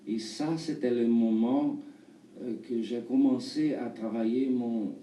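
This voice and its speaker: A man in his thirties from Brazil answers interview questions in halting, imperfect French with a Brazilian accent. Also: mid-range voice, steady tone, warm tone. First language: Portuguese. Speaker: actor and performer being interviewed. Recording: roomy, distant mic, faint noise.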